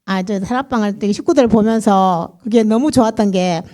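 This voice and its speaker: A woman's voice: mid-range voice, brisk, mellow. A middle-aged woman with a Gyeongsang accent, giving a chatty personal testimony to a church congregation. She often laughs and acts out other people's lines as she tells the story. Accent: Gyeongsang dialect. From Daegu region, South Korea.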